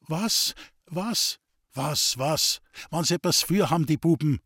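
A man voicing a hot-tempered young farmer's son who talks in Bavarian dialect, urgent and hoarse as he barks orders. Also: fairly high pitch, expressive, moderate pace, dry recording, studio quality, pitched above the performer's own voice. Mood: commanding. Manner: urgent, commanding, hoarse shouting.

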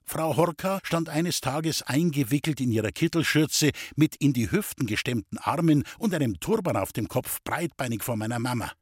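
A man from the Bavarian Forest reading aloud from his own childhood memoir in an even, unhurried storytelling manner. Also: medium pitch, husky, no echo, clean studio sound. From Bavarian Forest, Germany.

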